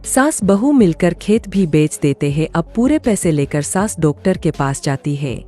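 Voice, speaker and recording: Low, lively woman narrating a cartoon story. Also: unhurried, soft background music.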